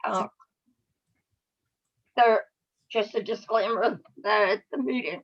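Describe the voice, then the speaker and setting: A woman's voice: medium pitch, steady tone, takes it slowly. A woman with a Boston-area accent chairing a town meeting, her voice strained by allergies, hesitant and often restarting. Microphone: video call. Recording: muffled video call audio.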